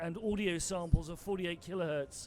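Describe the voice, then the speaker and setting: Pitched high, the man speaks with fairly even intonation. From UK. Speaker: broadcast technology engineer. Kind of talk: conference talk. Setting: trade show stage with PA.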